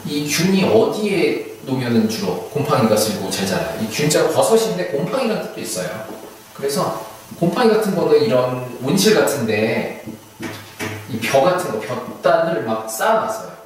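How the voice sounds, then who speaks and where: A man's voice: medium pitch, big pitch swings, normal speed. A male instructor giving a recorded lecture, chatty, who keeps asking his students questions and then answering them himself. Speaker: hanja certification instructor. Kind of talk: online video lecture. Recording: echoey room, mic far off, faint hiss.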